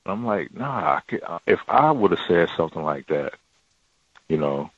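A man calling in to describe his workplace, talking in a halting way with many fillers and restarts, in a deep voice. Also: sing-song, husky, dry recording, muffled recording. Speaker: caller. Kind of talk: casual call-in account.

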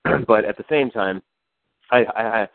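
A man's voice: on the low side, moderate pace, creaky, no echo. Laid-back man chatting on a lo-fi line. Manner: rambling, self-deprecating, laughs a lot. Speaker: podcast co-host. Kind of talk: casual sports chat. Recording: tinny phone-like, dry sound.

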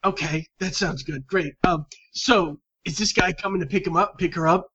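A man's voice: high voice, normal speed, a bit bright, slightly rough, lo-fi sound. A man playing a cagey street-smart agent.

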